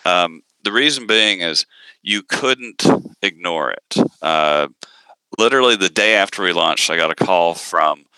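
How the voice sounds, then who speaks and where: A man with a low voice that is bright and forceful in tone, and a lively, swinging delivery. He talks casually as a company founder in an interview, hesitating and restarting often. The sound is dry and close. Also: unhurried, smooth, no room sound, rough recording. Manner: hesitant, many fillers and restarts.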